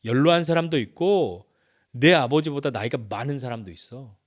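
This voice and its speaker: A man's voice: medium pitch, moderate pace, natural voice. A man playing a boastful, scornful man taunting a suffering friend with rhetorical challenges.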